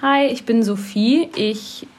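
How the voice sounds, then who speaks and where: A 26-year-old woman photography student introducing herself casually, a little halting. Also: fairly high pitch.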